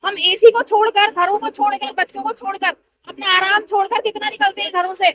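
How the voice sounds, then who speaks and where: A woman's voice: very high-pitched, flat delivery, fairly quick, noisy background. A woman in her thirties, a party worker answering interview questions in an earnest, persuasive way. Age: 30s.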